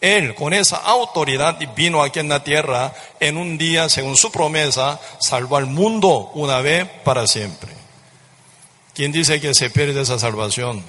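A man's voice: on the high side, a little slow, pushed and bright. Fervent male preacher in a reverberant hall. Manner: fervent, repetitive, frequent rhetorical tag questions. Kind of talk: sermon.

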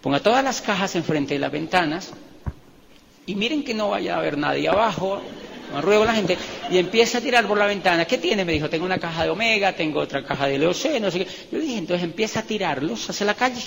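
A man's voice: high voice, quick pace, gravelly, big-room sound, a little hiss or hum. A man giving a motivational seminar talk, acting out dialogue and building to emphatic peaks. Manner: animated, acts out dialogue, laughs, rises to emphatic peaks. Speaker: motivational speaker.

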